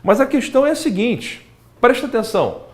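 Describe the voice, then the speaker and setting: A man's voice: extremely high pitch, moderate pace. A man with a Brazilian Portuguese accent teaching law in a recorded exam-prep lecture, talking straight to the student and acting out examples. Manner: animated, talks straight to the student, acts out examples.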